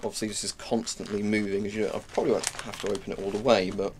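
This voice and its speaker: British male presenter, twenties, lowish voice, informal gear demo, some noise in a home recording. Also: level tone, racing. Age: 20s. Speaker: presenter of military gear reviews. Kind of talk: casual explanatory demonstration. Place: small cluttered room at home. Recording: clearly noisy home-room recording.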